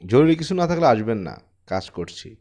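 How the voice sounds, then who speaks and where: A man's voice: medium pitch, very animated, normal speed, darkish tone, close to an everyday voice. A man voicing a stern, sarcastic male headmaster who scolds coldly and curtly in an audiobook story. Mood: cold, exasperated. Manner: cold, curt, scolding.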